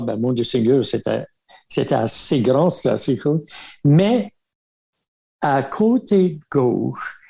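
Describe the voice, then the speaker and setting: Older Acadian man with a gravelly voice. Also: mid-range voice. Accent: Acadian French from Baie Sainte-Marie. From Baie Sainte-Marie, Nova Scotia. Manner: warm reminiscing, many fillers, chuckles. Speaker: guest, religious brother. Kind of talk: casual storytelling interview.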